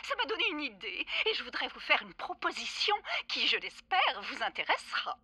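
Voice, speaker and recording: A woman voicing a polite, eager ladybug shopkeeper in an animated children's cartoon. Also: high-pitched, fairly quick, heavily acted. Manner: polite, enthusiastic. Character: polite eager female ladybug sports shop owner.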